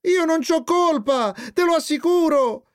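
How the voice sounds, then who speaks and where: A man voicing a timid little boy who wails and pleads in a high, tearful voice. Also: expressive, unhurried, exaggerated voice. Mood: pleading. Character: small frightened boy, whiny, tearful.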